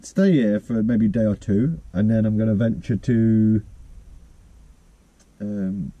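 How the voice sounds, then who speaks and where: A man's voice: fairly low pitch, slow pace, dry recording, phone-quality sound. A man, chatting casually and rambling self-mockingly in a parked van. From United Kingdom. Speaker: van life vlogger. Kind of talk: casual vlog chat.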